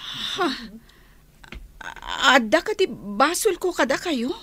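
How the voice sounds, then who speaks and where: An actress playing a gentle young woman working at a small eatery, soft-spoken. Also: high voice, sing-song, takes it slowly, a little hiss or hum, exaggerated voice. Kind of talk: Ilocano radio drama acting.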